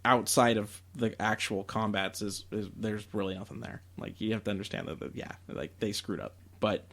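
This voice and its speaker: A man's voice: fairly low pitch, fairly even intonation, normal speed, fairly bright tone. A young man co-hosting a podcast, chatting casually and enthusiastically with lots of fillers. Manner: enthusiastic, laughs often, many fillers. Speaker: podcast co-host. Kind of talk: casual chat about video games.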